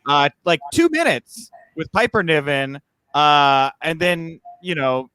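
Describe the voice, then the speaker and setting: A man's voice: fairly high pitch, lively intonation, slow, sharp tone, clear, resonant tone, no echo, poor audio. A man hosting a casual interview over a video call, chatty and self-deprecating. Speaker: interview host.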